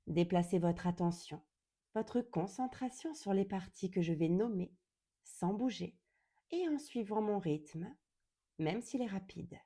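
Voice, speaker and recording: Slow, very mellow woman guiding meditation. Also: medium pitch. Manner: calm, gentle, soothing, deliberate with long pauses. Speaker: yoga nidra guide.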